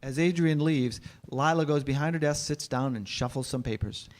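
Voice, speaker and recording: A man's voice: mid-range voice, moderate pace, a little mellow. A man giving scripted narration, reading out stage directions at a staged screenplay reading.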